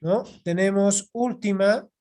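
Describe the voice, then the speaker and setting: A patient teacher lecturing an online class over a video call microphone. The voice sits at a middle pitch. Key points come back again and again, with a quick check-in after each. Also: mellow. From Bolivia.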